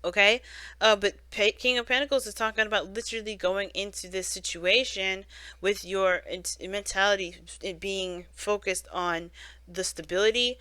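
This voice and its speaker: At normal speed, this tarot reader's voice is medium-pitched, steady, bright, forceful and smooth, recorded with no echo. The casual reading rambles, sprinkled with "you know" and "right?" and frequent self-correcting restarts.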